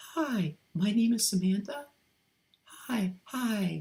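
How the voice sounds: In a put-on character voice, a man speaks at a high pitch and a very slow pace with lively intonation.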